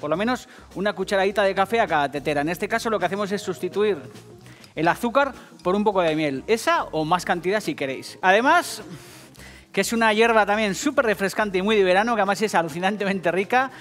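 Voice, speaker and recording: A man's voice: high-pitched, animated, quick pace, fairly bright tone, faint music behind. A middle-aged man with a Basque Spanish accent hosting a casual cooking show, talking straight to viewers in a jokey, profane manner. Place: TV kitchen set.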